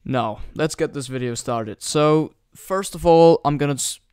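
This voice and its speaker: A man's voice: a little high, measured pace, darkish tone, clean tone, dry recording, clean studio sound. A Danish teenage boy putting on a British accent, casually rambling and joking crudely through a gaming tutorial on a new desktop microphone. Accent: put-on British accent. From Denmark. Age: teens. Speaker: gaming YouTuber. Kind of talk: casual screen-recording tutorial commentary.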